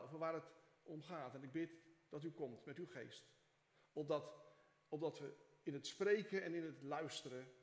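A male pastor preaching in a church. He reads the scripture aloud with feeling and prays quietly, with some hesitations. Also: on the high side. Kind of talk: sermon with scripture reading and prayer. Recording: echoey church hall.

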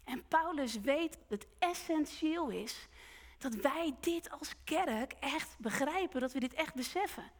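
High-voiced woman preaching in a reverberant hall. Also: lively intonation. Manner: slow, earnest retelling with quoted voices. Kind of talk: sermon with storytelling. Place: church hall. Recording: long church hall reverb.

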